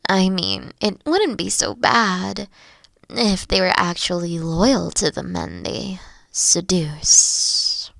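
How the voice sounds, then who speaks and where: A woman playing a mature, regal queen in an audio roleplay, teasing and flirtatious with a breathy, coy delivery and a protective streak. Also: fairly low pitch, animated, slow pace, fairly bright tone, dry recording, exaggerated voice. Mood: candid, warm.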